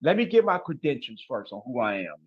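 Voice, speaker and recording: A man's voice: mid-range voice, sing-song, a little fast, breathy edge, no room sound, lo-fi sound. A man from Chicago with a Chicago accent, a guest in an interview who talks bluntly and emphatically in street slang. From Chicago, USA. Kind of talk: casual interview talk.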